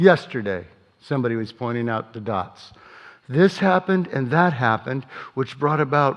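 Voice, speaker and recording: A man's voice at medium pitch, an ordinary speaking voice, moderate in pace with big swings in loudness, over a quiet background. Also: lively intonation. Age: 60s. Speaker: pastor. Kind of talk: sermon. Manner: conversational.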